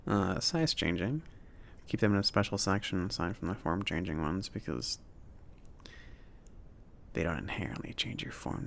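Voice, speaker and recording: A soft-spoken, friendly mage played by a man tends his potion shop in an ASMR roleplay. His voice is low and gravelly, and he talks at an unhurried pace with awkward, halting asides. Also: heavily acted. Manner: halting, casual, chatty, filler-laden.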